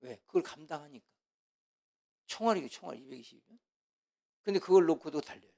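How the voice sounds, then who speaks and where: A man preaching as a pastor in an animated lecture, full of rhetorical questions and swinging from loud to hushed. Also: a little high, brisk, gravelly. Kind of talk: sermon lecture.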